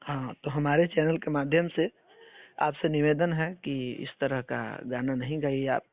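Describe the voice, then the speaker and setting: A man's voice: a little high, steady tone, unhurried, no room sound. A man conducting an informal phone interview, questioning persistently in an admonishing manner. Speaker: interviewer for an entertainment channel. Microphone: phone call. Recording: tinny phone call recording.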